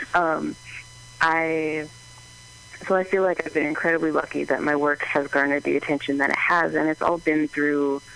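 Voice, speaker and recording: A moderate pace with an American accent, over noticeable background noise. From US Northeast (suburbs of Boston). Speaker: author and zine writer. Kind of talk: interview.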